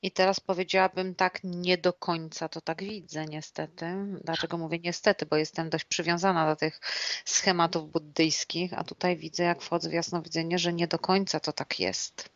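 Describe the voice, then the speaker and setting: A woman co-hosting a talk show as a clairvoyant, explaining her views slowly with restarts and examples. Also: lowish voice, little pitch movement, dry recording, muffled recording. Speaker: clairvoyant co-host answering viewer questions. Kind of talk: casual studio chat.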